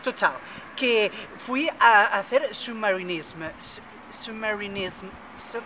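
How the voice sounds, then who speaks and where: A woman's voice: mid-range voice, takes it slowly, bright, forceful tone, a little hiss or hum. A woman playing a spoiled chatterbox. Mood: bubbly boastful. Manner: boastful nonstop chatter, fake foreign accent bits. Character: vain chatty rich young woman, spoiled daddy's girl. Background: background music.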